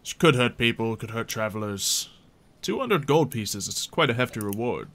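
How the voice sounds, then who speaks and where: A man playing a formal, self-important elite guard in a fantasy tabletop game, speaking in a measured way. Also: mid-range voice, animated, fairly bright tone.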